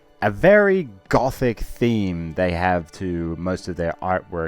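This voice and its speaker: Music plays behind a man with a very deep, low pitch. He speaks at a fairly slow pace with ordinary pitch variation. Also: hardly any pauses. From Australia. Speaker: VTuber / content creator. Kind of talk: casual explainer video narration.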